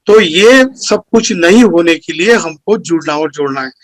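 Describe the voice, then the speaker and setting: Speaker, male, high voice, dry close sound; earnest, lecturing delivery, point by point. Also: animated, normal speed, no room sound. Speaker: speaker at a community meeting. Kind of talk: formal speech.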